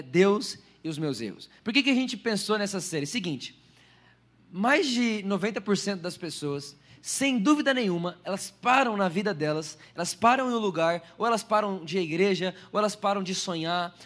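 A man with a notably high voice preaches a sermon to his congregation. His delivery rises suddenly and then drops soft. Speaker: pastor.

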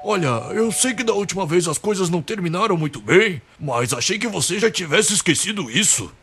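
A man's voice: sits high, expressive, fairly quick, fairly bright tone, faint music behind. A man playing a grumpy, foul-mouthed old Santa Claus with theatrical bluster in a radio drama. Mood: jolly. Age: older.

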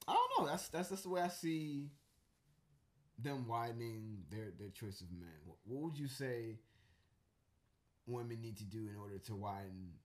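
A man's voice: mid-range voice, expressive, moderate pace, long pauses. A man co-hosting a casual podcast chat, talking in a rambling, thoughtful way with many fillers and restarts. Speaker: co-host.

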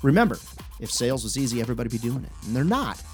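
A man's voice: medium pitch, very animated, racing, faint music behind. A man hosting as a sales coach, giving upbeat, organized motivational advice with emphatic, direct address to the listener. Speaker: sales coach and podcast host.

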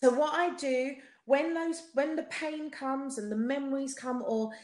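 Female podcast guest, South London accent, higher register, emphatic and repetitive for effect, very roomy sound. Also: fairly even intonation, unhurried, darkish tone. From South London, England. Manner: emphatic, rhetorical repetition, often seeks agreement. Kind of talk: personal testimony in a podcast conversation.

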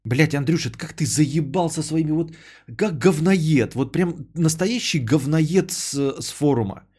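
A man's voice: fairly high pitch, unhurried, darkish tone, slightly rough. A man hosting a podcast, chatting casually with his live chat in a rambling, profane, worked-up way.

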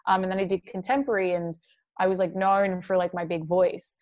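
A woman's voice: lowish voice, level tone, fairly quick, darkish tone. A young adult woman, a singer, chatting casually in an interview, full of fillers and quoting herself.

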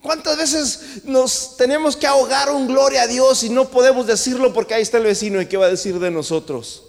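A man preaching a sermon to his congregation in a church, impassioned, swinging between loud calls and hushed asides. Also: very high-pitched, a little fast. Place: church sanctuary. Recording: long church reverb.

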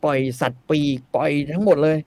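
A man retelling a classic Thai tale in casual, slangy chat, animated and reciting verse now and then. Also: fairly high pitch, fairly quick, vocal fry, dry recording. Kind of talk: casual comic retelling with acted quotes.

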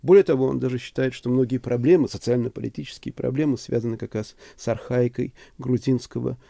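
A man hosting a radio interview, a poet asking measured, thoughtful questions in a gravelly voice. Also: mid-range voice, dark tone, dry recording, clean studio sound.

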